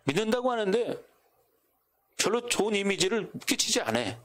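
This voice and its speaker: A male pastor delivers a sermon in church, pitched a little high for a man. His intonation rises and falls sharply as he fires off rhetorical questions. He also mimics what the neighbors might say. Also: very animated, moderate pace, a bit bright. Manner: preaching with constant rhetorical questions; acts out quoted neighbors in his own voice. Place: church sanctuary.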